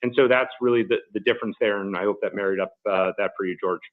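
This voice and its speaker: Low-voiced executive man on a phone line. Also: fairly even intonation, quick pace. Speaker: company executive. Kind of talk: earnings call answers. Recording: muffled phone-like conference line.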